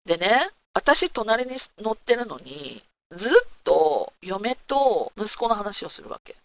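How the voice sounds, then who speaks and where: This talk-segment host speaks slowly in a mid-range voice, recorded with no room sound. She recounts a personal story frankly and with animation, keeping it casual and posing rhetorical questions to listeners.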